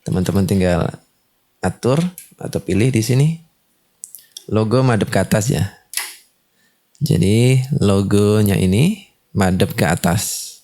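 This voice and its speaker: Casting: man, lowish voice, hands-on instructor who explains step by step and checks in with short tags. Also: measured pace, long pauses, mellow. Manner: explanatory, with frequent confirming tags. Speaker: audio tutorial presenter.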